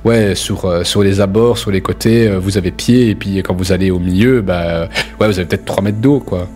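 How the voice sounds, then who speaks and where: A man's voice: low voice, fairly quick, a little mellow, soft background music. A man from Belgium narrating a tabletop role-playing game as game master in a casual, colloquial and joking way.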